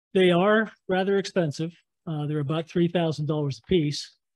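Against a quiet background, a high-pitched man talks at a moderate pace with ordinary pitch variation. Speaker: township supervisor. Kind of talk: public meeting. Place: meeting room. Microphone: podium.

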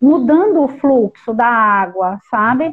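A woman speaks with lively intonation. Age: 50s. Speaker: health worker and sewing entrepreneur; interview guest. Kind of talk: testimony in online interview. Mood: earnest, emotional, motivational. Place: home room. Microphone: audio cutting out; video call.

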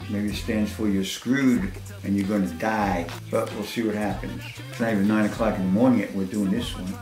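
Clear music plays in the background as a man talks at a fairly quick pace in a fairly low voice. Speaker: gamer. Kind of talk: casual talk to camera. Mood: joking, good-humoured. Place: home room.

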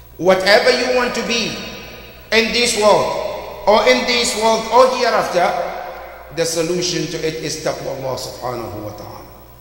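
A man's fairly quick speech with very wide pitch swings and audible room echo. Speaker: preacher. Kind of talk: sermon. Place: hall.

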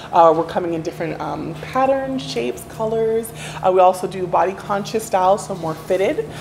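Fairly quick delivery from a woman with lively intonation over light background noise. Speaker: fashion designer; talk show guest. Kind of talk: interview. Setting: stage with audience. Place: studio.

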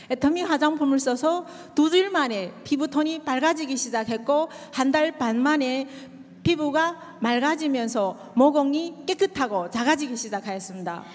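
Her intonation is lively and her pitch high. This woman speaks at a moderate pace. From China. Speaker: network marketing presenter; presenter. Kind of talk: product presentation. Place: hall. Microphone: handheld.

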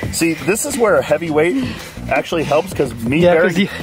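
Clear music sits behind a man's voice. The sound is dry, with no echo. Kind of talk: casual banter and commentary. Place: open country.

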